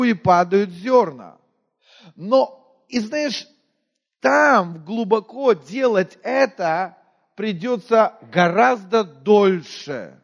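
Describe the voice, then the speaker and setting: A preacher from Moldova with a high voice for a man, talking through his sermon like a conversation. He quizzes the congregation and often sinks to a near-murmur. His words ring out with a long hall reverb. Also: vocal fry. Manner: conversational, asks the congregation questions, often drops to a quiet voice.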